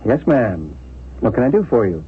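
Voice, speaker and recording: An actor playing a courteous, earnest small-town jeweler with halting, measured delivery in a 1970s radio drama. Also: male voice, fairly low pitch, big pitch swings, slightly rough, full character voice. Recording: muffled vintage radio recording, faint noise.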